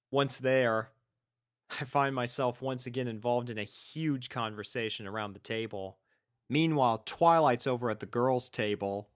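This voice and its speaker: A man's voice: medium pitch, fairly bright tone. A man reading a first-person story as scripted narration, in an earnest, sentimental manner. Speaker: fan fiction reader.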